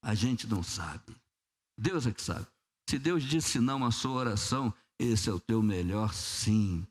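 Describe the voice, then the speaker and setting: A man's voice: on the low side, lively intonation, a little slow. A man with a Brazilian Portuguese accent, a pastor preaching a sermon in church, telling a story and acting out prayers with humor. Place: church sanctuary.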